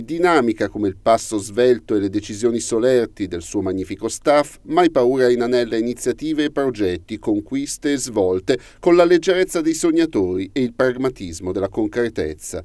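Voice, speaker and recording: A man with an Italian accent reading an ornate, measured scripted news voice-over. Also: medium pitch, warm tone, no echo. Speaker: news narrator.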